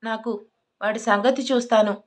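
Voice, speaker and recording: A woman's voice: a little high, measured pace, natural voice. A woman voicing an irritated young man who scolds and demands answers, in a storybook reading. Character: angry, blunt young man, quick to anger.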